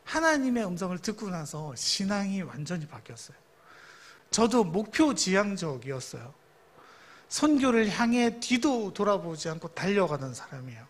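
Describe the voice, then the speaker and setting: A man's voice: high voice, big pitch swings, normal speed. A man in his thirties, a youth pastor, preaching a sermon in a storytelling way and asking the congregation questions.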